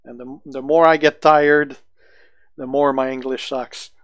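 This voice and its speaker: Relaxed and quick to chuckle, a French-accented man who speaks French natively chats with viewers during a gaming stream. His medium-pitched voice is a little slow, captured in clean studio sound with no room noise.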